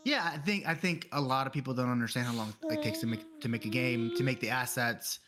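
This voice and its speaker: A man co-hosting a casual gaming podcast, thinking aloud as he goes. He stumbles and restarts his sentences. His voice sits at an everyday middle pitch. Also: big pitch swings. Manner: halting, stammering restarts. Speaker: podcast co-host.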